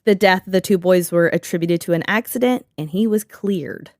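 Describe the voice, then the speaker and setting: A woman hosting a casual podcast chat, sarcastic and quick to laugh, swearing freely as she tells the story. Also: on the low side, darkish tone, no echo, clean studio sound. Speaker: podcast host.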